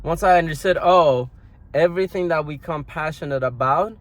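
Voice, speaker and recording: A man, talking casually to camera in a loose, rambling way and often clearing his throat. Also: fairly high pitch, a little fast. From Iran. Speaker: motivational vlogger. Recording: outdoor street noise.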